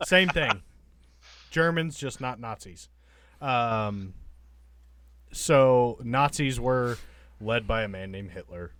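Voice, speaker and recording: A man's voice: medium pitch, slow pace, pauses often, fairly bright tone, no echo. A man talking and explaining things casually as a player in a tabletop game.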